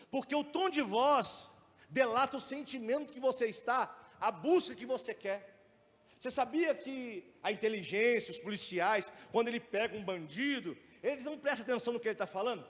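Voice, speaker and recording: High-voiced Brazilian preacher in a reverberant hall. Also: male voice, lively intonation, normal speed. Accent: Brazilian Portuguese. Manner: preaching with shifting loudness and pace, rhetorical questions. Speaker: pastor. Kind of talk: sermon.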